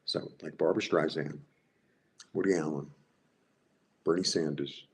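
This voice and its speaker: A man's voice: extremely low pitch, fairly even intonation, measured pace, husky. A man with a Brooklyn Jewish accent giving a live tarot reading, rambling, repeating himself and asking the viewers "right?". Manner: talks to viewers directly, asks "right?". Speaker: tarot reader.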